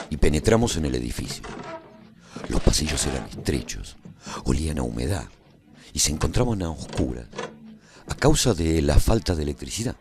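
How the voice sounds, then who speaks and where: A man's voice: deep voice, a little mellow, exaggerated voice. A man playing a battle-seasoned adventurer, narrating his story in a scripted, dramatic first-person radio serial style.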